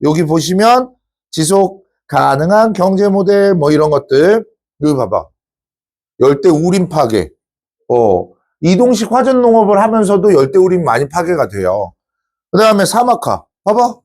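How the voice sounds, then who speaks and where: Male teacher, casual classroom lecture, slightly high voice that swings widely in pitch, informal and teasing with students. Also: unhurried. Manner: chatty, teasing asides to students; lively, informal.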